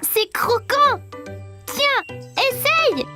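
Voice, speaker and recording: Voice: very high voice, sing-song, pushed and bright, faint music behind, exaggerated voice. A performer playing a curious, polite and slightly timid four-year-old boy in a French children's cartoon. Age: child character. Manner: simple, eager, slow-paced childlike speech.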